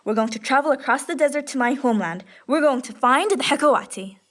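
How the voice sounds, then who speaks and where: A woman's voice: high voice, animated, fast talker. A woman playing a bossy, dry-witted young adventurer with a decisive manner in a comic fantasy audio drama. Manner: decisive, wry.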